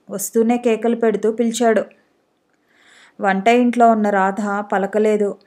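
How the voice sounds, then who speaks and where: Measured woman audiobook narrator. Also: a little high, a little mellow. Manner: slow, measured reading. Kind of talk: scripted narration.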